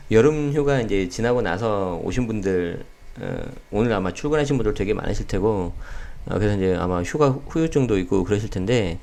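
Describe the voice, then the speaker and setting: A man hosting a daily real estate news talk, slightly hoarse, speaking casually with many fillers. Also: lowish voice. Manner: relaxed, many fillers, talks straight to viewers. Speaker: real estate channel host.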